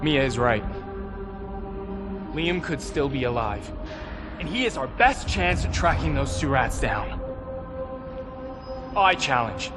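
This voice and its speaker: Game role: earnest young male commander, medium pitch, resolute, under loud music. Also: animated, takes it slowly, long pauses. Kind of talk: video game cutscene acting. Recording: loud game soundtrack behind voice.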